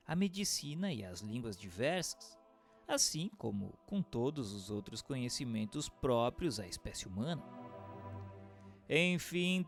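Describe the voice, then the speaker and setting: A man reads a scripted book for radio in a formal, measured, didactic way. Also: fairly high pitch. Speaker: narrator.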